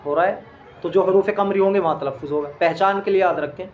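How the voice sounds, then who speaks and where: A man's voice: high voice, fast talker, dull audio, slight background noise. A man teaching an Arabic grammar lesson in speech, explaining step by step and quizzing his listeners with questions.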